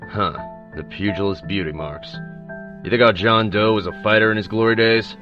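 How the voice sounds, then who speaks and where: An actor playing a world-weary older police commissioner in a crime drama, gruff and dryly sardonic. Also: male voice, fairly low pitch, normal speed, muffled recording, natural voice. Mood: wry, weary. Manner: dry, gruff, musing. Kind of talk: crime audio drama dialogue. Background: background music.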